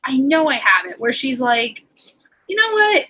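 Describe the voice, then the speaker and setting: A woman's voice: sits high, big pitch swings, moderate pace, sharp tone, slight background noise, rough recording. A young woman in a casual book chat, often quoting and acting out lines as she talks. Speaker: book discussion co-host.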